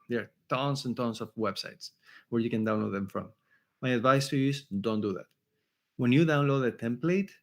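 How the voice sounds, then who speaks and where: A man with an Argentine Spanish accent teaches a resume-building workshop at a mid-range pitch. He talks emphatically, repeats his key points, and keeps checking in with his listeners. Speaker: career coach.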